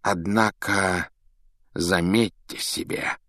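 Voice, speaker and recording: A man voicing an old, wise headmaster who speaks slowly, politely and deliberately. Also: lowish voice, very animated, no echo, studio quality, exaggerated voice. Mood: firm. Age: older.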